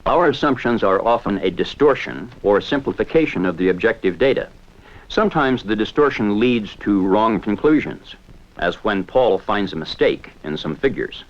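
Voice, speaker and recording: Man, low lively voice, measured educational narrator, dull old film soundtrack. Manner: measured, explanatory.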